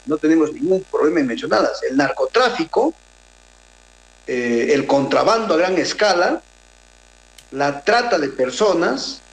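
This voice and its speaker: A man from southern Peru with a Peruvian Spanish accent, a radio guest giving measured political analysis, pausing often with fillers and restarts over a remote call. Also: on the high side. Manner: measured, hesitant, many filler pauses and restarts. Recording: roomy echo.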